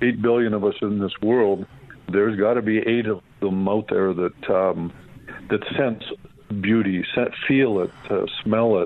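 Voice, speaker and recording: A man's normal speaking voice, fairly low and at a fairly slow pace. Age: 60s. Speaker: novelist. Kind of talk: interview. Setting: phone call.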